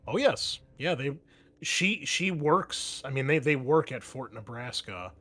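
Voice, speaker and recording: A man's voice: medium pitch, animated, unhurried, fairly bright tone. A man narrating a tabletop game as game master, explaining things in an informal, improvised way.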